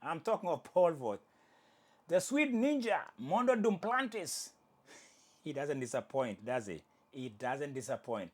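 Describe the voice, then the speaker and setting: Animated jokey male sports host. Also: fairly high pitch, a little slow. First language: Swahili. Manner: animated, jokey, self-correcting. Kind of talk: casual sports commentary.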